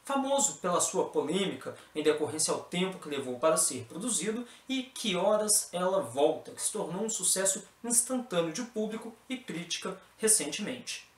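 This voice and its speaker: A man's voice: high voice, moderate pace, few pauses. Young Brazilian man reading news, echoey. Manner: even, formal anchor delivery. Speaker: news presenter. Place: small room with bookshelves, seated at a desk. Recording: roomy echo with faint music behind.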